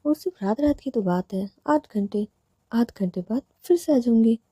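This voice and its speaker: A woman voicing a quick-tempered but loving young college woman who scolds loudly and often turns indignant. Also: fairly high pitch, lively intonation, husky, no echo, studio quality. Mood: affectionate.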